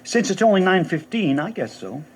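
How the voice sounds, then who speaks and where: An actor playing a kindly male mentor who gives gentle advice in a husky voice. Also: sits high, sing-song, moderate pace, slight background noise. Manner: gentle, advising.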